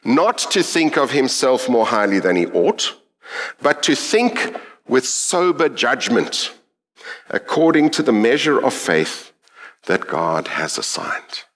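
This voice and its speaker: A middle-aged man from South Africa with a South African accent, preaching a sermon in an earnest, reflective way with thoughtful pauses. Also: mid-range voice, very animated, a bit bright.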